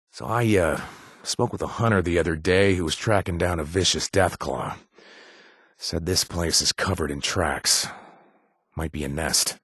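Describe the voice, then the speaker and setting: A wry wasteland bounty broker in a video game, laid-back and quick with a pun. His voice is low and a little husky, and it rises and falls a lot. The recording is dry and close. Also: a bit bright, no room sound, full character voice. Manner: laid-back, punning, hesitant with fillers.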